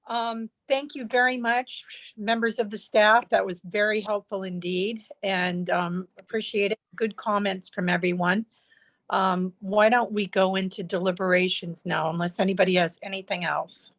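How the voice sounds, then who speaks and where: A woman chairing a public committee meeting in a polite, brisk, procedural way. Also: mid-range voice, steady tone, a bit bright.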